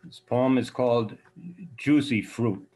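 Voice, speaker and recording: Slow-speaking man in his seventies. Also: medium pitch, steady tone, darkish tone, low-quality recording. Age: 70s. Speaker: poet. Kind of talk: introducing and reading own poetry. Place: dark room indoors.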